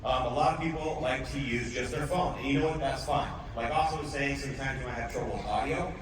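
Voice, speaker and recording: A man's voice: mid-range voice, fast talker. Man presenting in an echoey room. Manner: casual, with frequent "okay?" check-ins to the audience. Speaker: workshop presenter. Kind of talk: conference workshop talk. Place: conference room, speaking to a live audience. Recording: echoey room recorded from far off, noisy.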